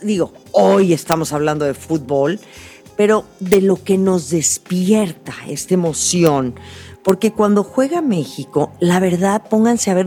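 A woman's voice: mid-range voice, darkish tone. A Mexican woman hosting a radio show, talking in a chatty, rambling way, correcting herself as she goes and stressing her points with feeling. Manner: emphatic, heartfelt. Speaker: radio host. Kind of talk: casual radio monologue.

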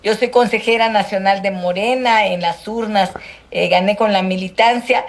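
Female politician from Guerrero, mid-pitched, measured and halting. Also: fairly even intonation. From Guerrero, Mexico. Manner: measured, halting, with many fillers. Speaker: politician, senator.

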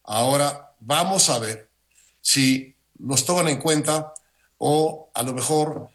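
Mexican guy, got the flu, talks slow and wry with lots of eh pauses. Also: fairly high pitch, a bit bright. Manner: measured, wry, many "eh" pauses. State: has the flu. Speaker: regular commentator. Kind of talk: opinion commentary on air.

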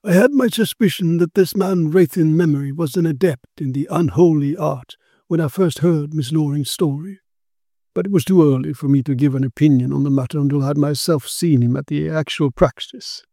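A man voicing a commanding, grave male occult detective who explains dark matters with authority. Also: fairly high pitch, fairly quick, dry recording, studio quality. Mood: lecturing.

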